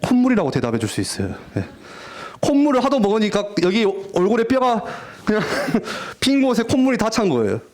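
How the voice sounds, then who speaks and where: A young man gives a lively youth sermon to middle and high school students. His voice sits high and leaps around with wide swings. He tells stories with animation, mimicking teenagers as he goes. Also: quick pace. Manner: animated storytelling, acting out teen voices. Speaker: youth pastor.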